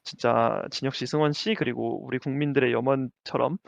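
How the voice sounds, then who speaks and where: A man co-hosting a casual basketball talk show, lively and quick to laugh, sometimes stumbling over names. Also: medium pitch, vocal fry, no room sound, dull audio. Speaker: podcast co-host.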